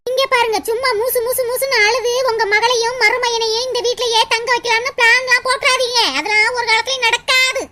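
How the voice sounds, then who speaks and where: Divya, a shrill scolding daughter-in-law voiced by a woman. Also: level tone, bright, forceful tone. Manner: scolding, sarcastic, fast. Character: sharp-tongued, scolding young daughter-in-law. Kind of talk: cartoon family drama voicing.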